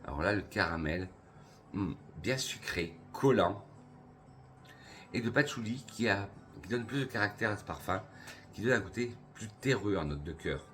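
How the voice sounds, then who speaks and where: A man from France reviewing perfumes for his channel in a casual, enthusiastic way, slowly listing notes with pauses. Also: on the low side, lively intonation, fairly bright tone, faint music behind. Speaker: perfume youtuber.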